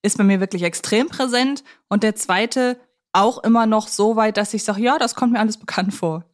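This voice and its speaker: A woman's voice: medium pitch, normal speed. A woman hosting a conversational film podcast, speaking in an articulate, wordy and analytical way. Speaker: podcast host.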